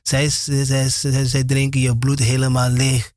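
A man's voice: mid-range voice, monotone, unhurried, darkish tone, dry recording, studio quality. A man, talking about faith on Christian radio and often stumbling and repeating words.

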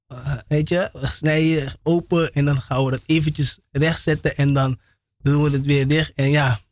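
A man on Christian radio giving a fervent, halting testimony full of restarts and laughter. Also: a little high, no echo, clean studio sound. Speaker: radio host. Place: radio studio.

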